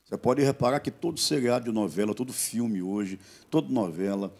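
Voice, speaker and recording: A middle-aged man with a Brazilian accent, a pastor giving his testimony on a gospel TV show. He speaks in an earnest, measured preaching tone. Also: on the low side, vocal fry, darkish tone. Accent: Brazilian Portuguese.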